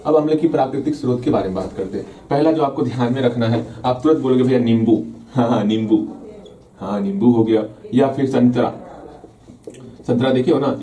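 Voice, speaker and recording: Playfully repeating key terms, a male science teacher gives a relaxed revision lesson, asking his own questions and answering them. He speaks at a medium pitch with a warm tone.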